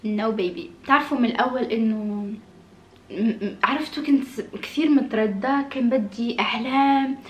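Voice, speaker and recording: A woman's voice: a little high, normal speed, reverberant. A woman in her late twenties chatting casually and expressively as she answers viewer questions in a small room. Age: late 20s. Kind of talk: casual chat. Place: small indoor room with red curtains.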